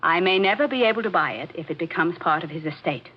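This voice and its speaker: An actress playing an intense, insistent woman with an obsessive streak, dramatic and deliberate in 1940s radio mystery style. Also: on the low side, animated, slightly rough. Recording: muffled old-time radio recording with music.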